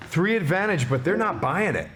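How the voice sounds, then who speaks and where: A man's voice: high voice, lively intonation, moderate pace, fairly bright tone, slight background noise. A man running a tabletop game as game master, narrating in a playful way and laughing often. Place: studio.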